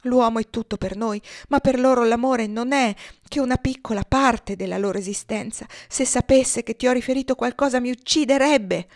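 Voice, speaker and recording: Woman doing a frightened young woman, urgent pleading, higher and louder, audiobook character. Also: moderate pace, hardly any pauses, dry recording, studio quality, lightly acted. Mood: desperate.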